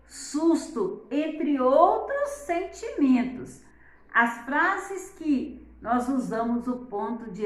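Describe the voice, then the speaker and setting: Her high voice rings through a reverberant space as she teaches a class. She speaks slowly and deliberately, exaggerating the intonation of her examples and regularly adding "né?".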